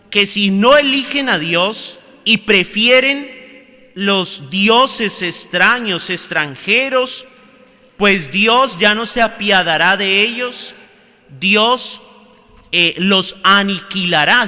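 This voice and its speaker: A man, a priest, reading the gospel at Mass and then preaching a homily in slow, measured phrases with pauses, recorded in a large church. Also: high voice, bright, forceful tone. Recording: long church reverb.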